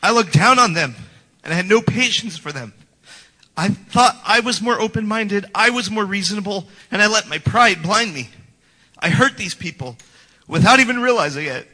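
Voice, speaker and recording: A man's voice: high voice, pushed and bright. A man in his forties giving an earnest, prepared church testimony and acting out his past scorn, in a church sanctuary. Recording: long hall reverb.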